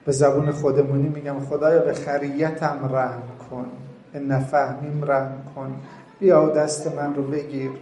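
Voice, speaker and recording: Man in his forties, fervent pleading prayer sermon, dark mellow tone, echoey room. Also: medium pitch, flat delivery. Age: 40s. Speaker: preacher leading prayer. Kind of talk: devotional supplication sermon. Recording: echoey room, faint background noise.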